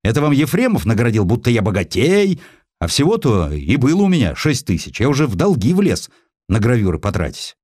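A man's voice: mid-range voice, wildly swooping pitch, brisk, darkish tone, no room sound. A man voicing a gloomy publisher who complains plaintively about his lost money. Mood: grumbling, gloomy. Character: gloomy, grumbling male publisher fretting over lost money.

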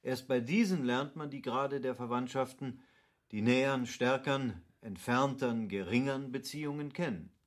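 Opinionated gentleman played by a man, emphatic and literary. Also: mid-range voice, measured pace, close to an everyday voice. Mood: engaged. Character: opinionated, lecturing cultivated gentleman of Goethe's era. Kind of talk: classic German radio play acting.

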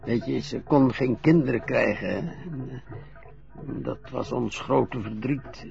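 A slow, gravelly old man, played by an actor, who stammers and falters as he speaks. He is a frail, fearful widower with a teasing streak, heard in a dull lo-fi radio play recording. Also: medium pitch, music in the background. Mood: sorrowful. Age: older. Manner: hesitant, stammering.

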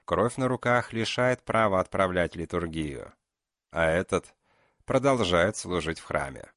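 A man's voice: sits low, expressive, a little slow, fairly bright tone, no echo, clean studio sound, heavily acted. Man voicing a cold, mocking killer. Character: calm, mocking male killer called the beast.

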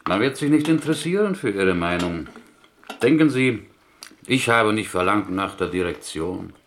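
An actor playing a pious, resigned Jewish butcher in prison in a radio play, talking ponderously and courteously with inverted word order. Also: male voice, low voice, a bit bright, slight background noise. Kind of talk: German radio play acting.

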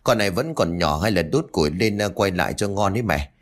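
A man's voice: sits low, lively intonation, a little fast. A man voicing an eager young father speaking hastily. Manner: hasty, persuasive.

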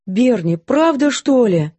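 A woman voicing a timid, weepy young housemaid who wails and sobs high in her voice. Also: sing-song, slow pace, darkish tone, breathy edge, full character voice. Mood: shocked. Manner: wailing, high and tearful.

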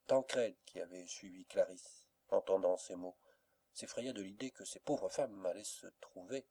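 A man narrating a classic novel as an audiobook, reading in a measured, steady way. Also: lowish voice. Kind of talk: scripted literary narration.

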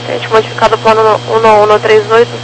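A man speaking over a two-way radio in terse, rapid aviation phraseology. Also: high-pitched, completely flat delivery. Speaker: air traffic radio user. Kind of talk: clipped aviation radio talk. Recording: noisy radio channel from far off.

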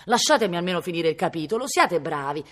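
A woman voicing a brigand man gone soft, shrill, pleading and frantic. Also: sing-song, fast.

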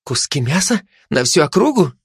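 A man voicing a gluttonous, excitable female dog who squeals and rambles dreamily about food, in a dry close recording. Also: on the high side, normal speed, husky, no echo, voice pushed up, exaggerated voice. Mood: eager.

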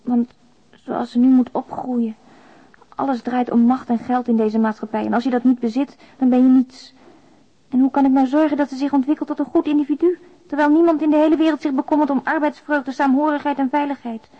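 A weary, subdued single mother, higher-pitched. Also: level tone, fairly quick. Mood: despairing. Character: weary, despairing young single mother confiding by letter. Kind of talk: radio drama monologue, letter voice-over. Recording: dull, lo-fi radio drama recording.

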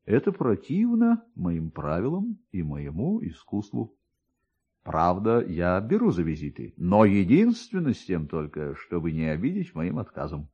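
A man's voice: deep voice, huge pitch swings, unhurried, husky, highs cut off, pitched below the performer's own voice, full character voice. A man voicing a dignified, self-important doctor with a courteous, unctuous, persuasive manner, in a classic radio drama.

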